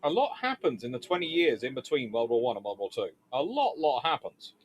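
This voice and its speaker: Guy doing a chatty history q&a, average pitch, rambly but emphatic, really dry sound with no echo. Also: sing-song, brisk, breathy edge. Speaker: naval history video host. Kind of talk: informal explainer and viewer Q&A.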